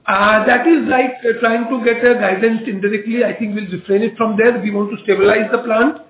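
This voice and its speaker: Creaky high-voiced Indian executive on a phone line. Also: male voice, fairly even intonation. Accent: Indian English. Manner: measured, explains with many pauses and fillers. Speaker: company executive. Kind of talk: earnings call answers. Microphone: conference call phone line. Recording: echoey room over phone line.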